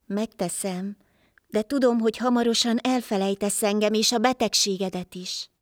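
A woman voicing Life, a wandering healer, in a calm, measured storybook voice. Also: mid-range voice, no echo, studio quality, lightly acted.

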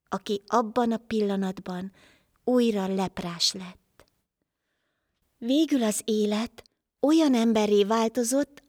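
A woman reading a folk tale aloud for children, steady and rhythmic. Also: mid-range voice, no echo, clean studio sound. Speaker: storyteller.

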